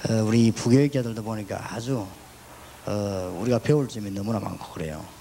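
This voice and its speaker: With a Busan accent, a man talks at a medium pitch with ordinary pitch variation, over noticeable background noise and audible room echo. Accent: Busan dialect (Gyeongsang). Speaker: pastor. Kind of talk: sermon. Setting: church.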